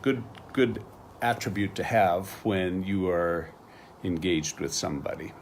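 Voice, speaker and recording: An American man, middle-aged, teaching a slang lesson with slow, patient explanations and examples. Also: sits low, slight background noise.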